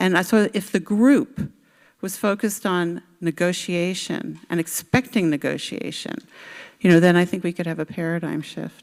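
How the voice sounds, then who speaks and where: Using a plain, everyday voice, a woman with an American accent speaks at a moderate pace, with a fairly low pitch and ordinary pitch variation. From New York City. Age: 50s. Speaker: author and professor. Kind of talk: lecture Q&A.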